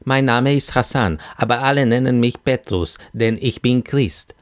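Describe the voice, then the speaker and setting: A man's voice: medium pitch, normal speed, no room sound, studio quality, voice pushed up, natural voice. A man voicing a pushy, talkative Arab Christian man who repeats himself pompously, in an audiobook. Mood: insistent. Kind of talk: audiobook character voice.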